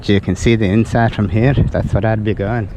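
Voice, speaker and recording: Out walking on city streets and a campus, a student vlogger talks to himself in a fake Irish accent, muttering self-mocking commentary. His voice is fairly low and warm, with a steady tone and moderate pace, and outdoor traffic noise can be heard.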